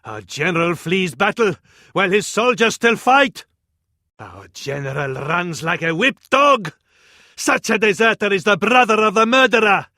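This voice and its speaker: A scornful, expressive male voice with an Arabic accent rings out high, bright and forceful as a fervent battlefield counsellor in a strategy game addresses his sultan. His heavily acted, ornate speech is dramatic and proverb-laden, delivered at a moderate pace as theatrical video game voice acting. The recording is very dry and close, with no echo.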